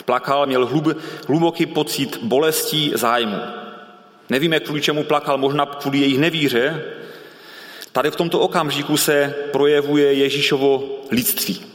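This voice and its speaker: A man's voice: a little high, steady tone. A man preaching a sermon earnestly, repeating key phrases and often restarting his sentences. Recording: reverberant hall sound.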